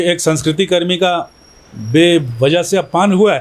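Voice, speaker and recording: A man's high-pitched voice with lively intonation. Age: 60s. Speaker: theatre artist. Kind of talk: news interview soundbite.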